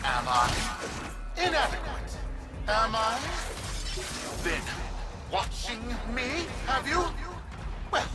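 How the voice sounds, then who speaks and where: An actor playing a vain, scheming merchant tycoon in a video game, pompous, oily and melodramatic. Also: male voice, extremely high pitch, heavily acted. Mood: bitter defiance. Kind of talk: video game villain dialogue. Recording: loud music behind.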